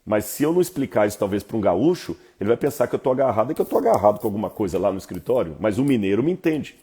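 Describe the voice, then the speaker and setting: A man with a Brazilian Portuguese accent giving an informal Bible lesson, lecturing in a lively, conversational way with asides to his viewers. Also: on the low side, racing, breathy edge. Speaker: Bible teacher.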